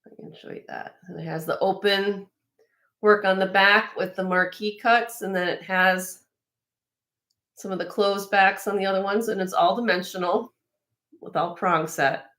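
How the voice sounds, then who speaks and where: A woman with a slightly raspy voice hosting a live jewelry sale, chatting casually and admiringly as she shows each piece, with frequent fillers and restarts. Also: mid-range voice, fairly even intonation, moderate pace, fairly bright tone. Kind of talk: casual show-and-tell product presentation.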